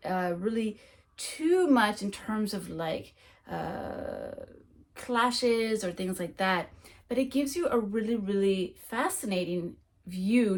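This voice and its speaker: A woman who is a French speaker, chatting casually through a monthly reading wrap-up, rambling with frequent ums and restarts. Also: mid-range voice. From United States. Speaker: book vlogger.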